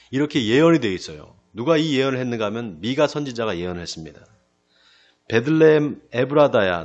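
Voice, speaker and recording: A male pastor giving a sermon. He asks the congregation questions and answers them himself, slows down to stress key phrases, and often drops to a quiet close. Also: medium pitch. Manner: lively preaching, rising then dropping to a quiet close. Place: church sanctuary.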